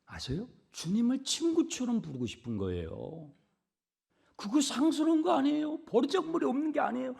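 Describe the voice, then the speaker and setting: A male pastor preaching from a church pulpit in a high, lively voice with a gravelly edge. He moves between near-whispers and loud, emphatic repeated phrases. He talks with the congregation and asks them questions. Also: moderate pace. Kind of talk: sermon.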